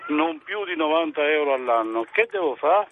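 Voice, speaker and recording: A man's voice: fairly high pitch, lively intonation, normal speed, slight background noise. A man with a Sicilian accent and dialect words, chatting familiarly as a caller to a radio phone-in and repeating himself for emphasis over a tinny telephone line.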